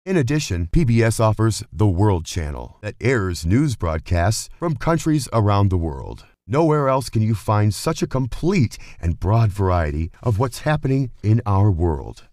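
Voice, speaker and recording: Animated man reading promotional narration. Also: lowish voice, measured pace, few pauses, no room sound, studio quality. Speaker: voice actor and radio personality.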